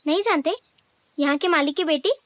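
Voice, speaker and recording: A woman's voice: sits high, fairly bright tone, slight background noise. A woman voicing a chatty flower girl. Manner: chatty, teasing, brisk. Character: cheerful little girl who gathers flowers.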